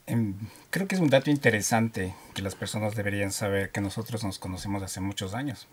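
A man from Ecuador with a Quito accent, a radio guest telling animated stories about himself. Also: on the low side, a little fast, husky. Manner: animated storyteller, jokes and laughs often. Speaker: guest, driving instructor. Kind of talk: casual radio interview.

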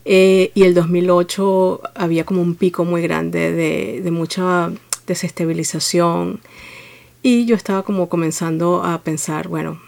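A woman from Venezuela with a Venezuelan accent, telling her story as an interview guest in a reflective, steady way with frequent fillers. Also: on the low side, unhurried, vocal fry.

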